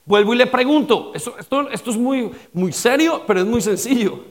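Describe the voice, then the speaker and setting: A male pastor preaching a sermon with rhetorical questions and repetition, swinging between loud stress and quiet dropped lines. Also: very high voice, animated, brisk.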